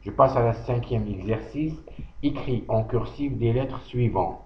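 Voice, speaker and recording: Enseignant masculin à l'algérien, débit très lent et posé, son lo-fi avec écho. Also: male voice, mid-range voice, a little hiss or hum. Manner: slow, deliberate, thinking aloud with pauses. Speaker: teacher. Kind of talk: slow worksheet walkthrough. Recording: echoey room, dull lo-fi audio.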